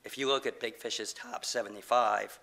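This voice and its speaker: A man's voice: fairly low pitch, fairly even intonation, normal speed, gravelly, pushed and bright. A middle-aged man getting over a cold, giving a conference presentation with many fillers and restarts. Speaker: conference speaker, game company CEO.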